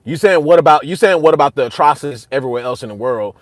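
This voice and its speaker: A man's voice: animated, very fast, no echo. Fired-up man ranting to chat, dry sound. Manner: heated and repetitive, restarts phrases, gets loud and high when worked up. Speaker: host. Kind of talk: casual livestream commentary answering chat.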